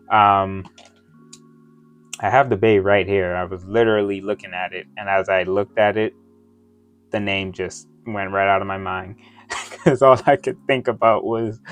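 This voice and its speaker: A man wearing dental retainers that give him a slight lisp, chatting casually through an unboxing review in a halting, rambling way. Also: on the low side, smooth. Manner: halting, rambling, often losing his thread. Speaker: toy review vlogger. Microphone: close microphone within his reach.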